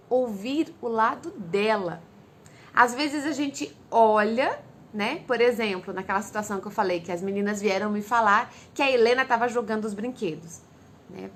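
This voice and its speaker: A woman's voice: on the high side, a little slow. A Brazilian woman with a Brazilian Portuguese accent, giving earnest parenting advice and acting out what children and parents say. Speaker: parenting educator.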